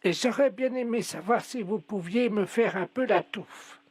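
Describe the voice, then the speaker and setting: A man doing a pushy, muddled old woman making a prank phone call, her voice pitched very high. She keeps mishearing on purpose and chatters on in a mock-sweet way. The sound is dry and close, with no room echo. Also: moderate pace, a little mellow, breathy edge. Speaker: prank caller.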